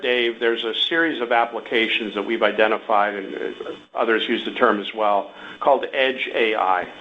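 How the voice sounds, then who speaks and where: On an earnings call, a company executive explains matters to investors, using examples. His voice is medium-pitched and fairly bright, coming over a conference call line with dull audio and a hum.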